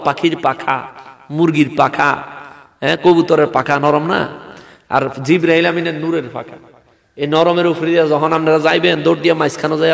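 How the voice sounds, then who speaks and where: A Bangladeshi man preaches in a regional Bengali accent, pitched a little high, with a gravelly rasp. He keeps prompting his listeners to answer back. His voice rings out with long reverb, as in a big hall. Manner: calls on the crowd to respond. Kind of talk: animated sermon with dramatized quotes.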